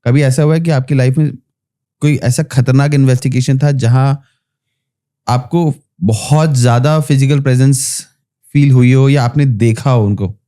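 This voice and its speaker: A male podcast host with a mid-pitched, mellow voice. He asks his guest short, probing questions. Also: fairly even intonation, moderate pace. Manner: brief prompts and questions. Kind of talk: interviewing a guest.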